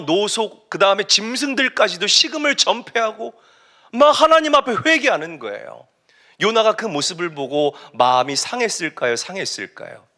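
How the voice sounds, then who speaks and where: A male pastor delivers an emphatic sermon, telling the story vividly and asking rhetorical questions. His voice sits high for a man and is bright and forceful. His pitch swings widely from phrase to phrase.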